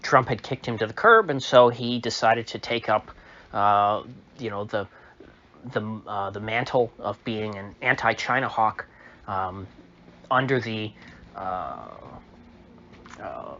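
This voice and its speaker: A man who is ill, voice a little off, giving a halting, opinionated political commentary monologue full of fillers, recorded in a room. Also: fairly low pitch, animated, sharp tone, dull audio, a little hiss or hum. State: sick, slightly off voice. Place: indoor room.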